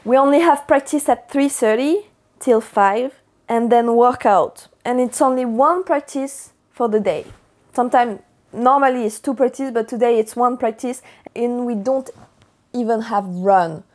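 A young woman from France speaking English with a French accent, chatting casually in her vlog with a hoarse morning voice. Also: fairly high pitch, unhurried, darkish tone. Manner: chatty, upbeat, loose non-native phrasing. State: hoarse from just waking up. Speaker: athlete vlogger.

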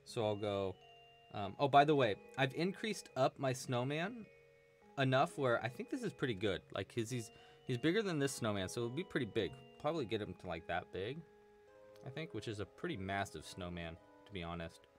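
A chatty young man leads a live crochet lesson from home, his voice rising and falling in an animated way. He jokes and answers chat as he works at a desk mic. Soft music plays quietly behind him. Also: mid-range voice, normal speed. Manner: chatty, playful, laughs often, reads chat aloud. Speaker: crochet teacher. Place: small room at home, indoors.

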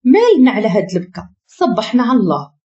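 A woman's voice: a little high, big pitch swings, fast talker, dark tone, dull audio. A woman voicing a stern commanding husband. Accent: Moroccan. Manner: curt, commanding, threatening. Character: stern domineering young husband.

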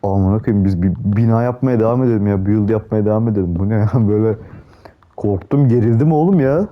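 A man's voice: on the low side, brisk, dull audio. A young man giving casual gameplay commentary, swearing a lot and panicking in repeated pleas. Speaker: gameplay streamer.

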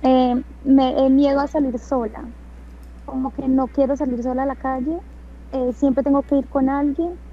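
A young woman from Colombia, lying at home and speaking over a video call, who answers softly and hesitantly. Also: sits high, fairly even intonation, moderate pace. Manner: hesitant, soft-spoken. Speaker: client. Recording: dull, lo-fi video call audio.

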